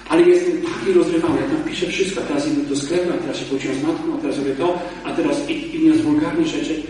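Priest speaking in an echoing hall. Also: male voice, fast, slight background noise. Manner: lively, conversational, shifts between loud emphasis and low asides. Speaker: priest and exorcist. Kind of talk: conference talk to a church audience. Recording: echoey hall, mic far off.

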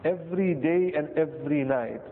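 South asian accent guy preaching a muslim sermon, kinda high voice, tinny echoey hall recording. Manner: deliberate, pausing, short repeated phrases. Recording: tinny band-limited echoey hall, rumbly noise.

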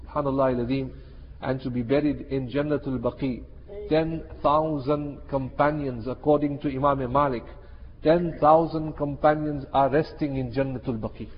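A man's voice: medium pitch, steady tone, normal speed. A man preaching an Islamic sermon, emphatic and repeating key phrases, with Arabic and Urdu expressions mixed in. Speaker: Muslim preacher. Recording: muffled, reverberant hall sound.

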